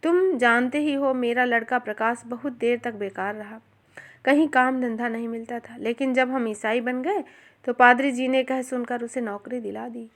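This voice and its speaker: A woman's voice: fairly high pitch, steady tone, moderate pace, close to an everyday voice. A woman voicing a proud, stubborn middle-aged village shoemaker who speaks firmly and plainly. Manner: firm, resentful, plainspoken.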